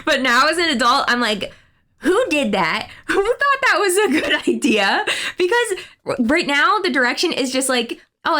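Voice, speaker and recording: A young woman chats her way through a game stream, rambling and reading out messages as they come in. Her voice sits a little high for a woman, and she talks in a loose, easygoing way. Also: fairly bright tone. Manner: chatty, rambling, reads chat aloud. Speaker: livestreamer. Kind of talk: casual stream chat.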